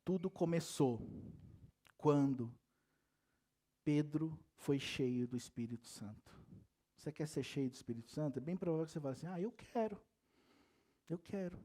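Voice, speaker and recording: A man's voice: a little high, normal speed, pauses often, mellow. A man preaching a sermon in a church, asking the congregation many questions and joking and laughing as he goes. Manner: talks straight to the congregation with many rhetorical questions; laughs and jokes while preaching. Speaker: pastor. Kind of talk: lively sermon.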